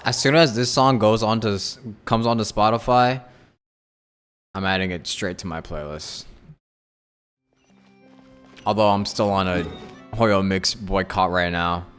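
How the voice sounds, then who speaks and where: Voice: low voice, a little slow, pauses often, fairly bright tone. A game streamer giving casual, slangy live commentary. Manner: informal, slangy. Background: game music.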